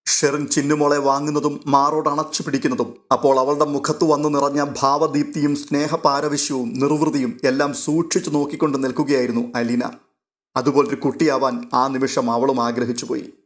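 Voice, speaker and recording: A man narrating a novel aloud in a steady, literary storytelling manner. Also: medium pitch, moderate pace.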